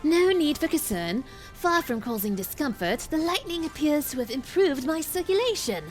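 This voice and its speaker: A woman voicing a pompous, flowery gentleman inspector in a video game, speaking in a grandiose, theatrical way. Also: sits high, lively intonation, normal speed, faint music behind.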